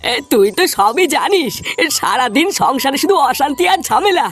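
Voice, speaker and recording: A man's voice: extremely high pitch, sing-song, moderate pace, a bit bright, soft background music, full character voice. A man voicing a whining, quarrelsome, foul-mouthed old grandfather in a comedy cartoon. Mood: pleading. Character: irritable old grandfather praying and grumbling, cartoon.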